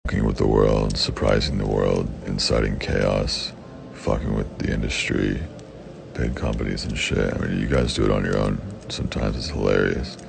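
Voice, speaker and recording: A young man with a very deep, raspy voice, answering fan questions in blunt, profane casual talk. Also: steady tone, moderate pace. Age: young adult. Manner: blunt and profane, with frequent swearing. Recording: background noise.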